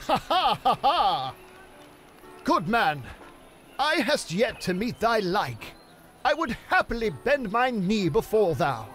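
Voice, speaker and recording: A camp, high-voiced medieval knight. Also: male voice, very animated, slow, fairly bright tone, full character voice. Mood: flattering. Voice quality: high, theatrical mock-Elizabethan delivery. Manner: camp, preening, full of double meanings. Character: flamboyant, innuendo-prone medieval male knight, theatrical. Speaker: voice actor. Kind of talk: video game voice lines.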